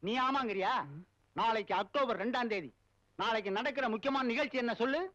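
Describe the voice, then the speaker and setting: An actor playing a pompous, fussy male college teacher who recites verse slowly and grumbles at his students. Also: very high-pitched, sharp tone, dry recording. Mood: scolding. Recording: dry, dull old film soundtrack.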